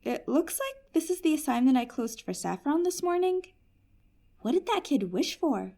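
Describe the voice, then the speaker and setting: A woman plays a helpful genie at a magical support desk in a fantasy audio comedy. The voice is fairly high, and the manner is patient, professional and wry. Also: very animated, moderate pace, dark tone. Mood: patient, businesslike.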